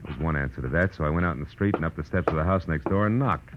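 An actor playing a wry, hard-boiled private detective with an American accent in 1940s radio drama, speaking in a clipped, sardonic, world-weary way. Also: male voice, a bass voice, very fast, background noise. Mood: wry narration. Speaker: lead actor and narrator of a radio detective series. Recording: muffled vintage 1940s radio recording.

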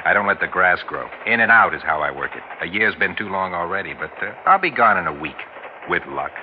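A man's voice: low voice, animated, brisk. An actor playing a brash, impatient businessman from New York, slangy and restless, in an old drama. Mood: cocky. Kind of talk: old broadcast drama acting. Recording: muffled, noisy old drama soundtrack.

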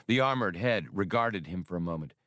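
A man narrates an adventure audiobook in a low voice. His delivery is measured and expressive, like a storyteller at work. The sound is very dry, with no room on it. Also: no room sound. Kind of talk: scripted dramatic narration of a science fiction adventure.

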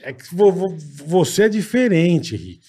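Brief: slangy, upbeat male co-host, slightly higher voice. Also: sing-song, moderate pace, mellow. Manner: enthusiastic, swears a lot, lots of slang. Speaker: podcast co-host. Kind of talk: casual chat.

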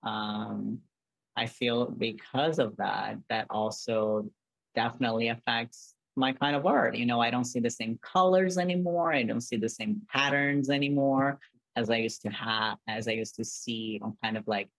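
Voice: medium pitch, moderate pace, dry recording, rough recording. Guest, rambly w lots of "like", dry close sound. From Brazil. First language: Portuguese. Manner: rambling, many "like" fillers and restarts. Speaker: podcast guest, artist. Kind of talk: casual interview chat.

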